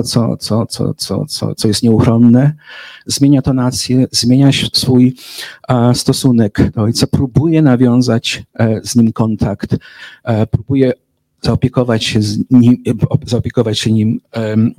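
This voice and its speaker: A man's voice: mid-range voice, a little mellow, dry recording, rough recording. A man who works as a literary translator, answering interview questions in a hesitant, thoughtful way, full of fillers and restarts.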